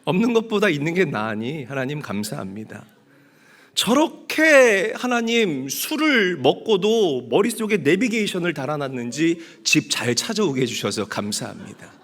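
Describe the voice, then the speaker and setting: Animated man preaching a sermon. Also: a little high, normal speed. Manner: animated storytelling, acting out quoted prayers; urges congregation to answer amen. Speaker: pastor.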